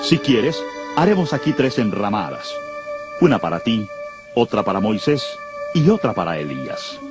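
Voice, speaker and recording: Earnest pleading disciple, impulsive, swooping mid-pitched voice, audio Bible drama, music underneath. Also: male voice, very animated, moderate pace. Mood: earnest, eager.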